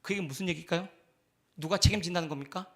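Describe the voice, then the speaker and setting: A man preaching a sermon as pastor. He acts out quoted voices, rising loud and then dropping to a near-whisper at the ends of points. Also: sits high, quick pace. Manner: acts out quoted voices of God and believers, swinging loud and soft.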